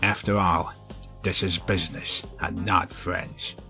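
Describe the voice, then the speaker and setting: Man doing a sharp, forceful blustering mob boss. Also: sits low, flat delivery, slow pace, creaky, soft background music, pitched below the performer's own voice, exaggerated voice. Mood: solemn. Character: menacing, blustering male mob boss, cowardly when cornered. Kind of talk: comic story character dialogue in broken English.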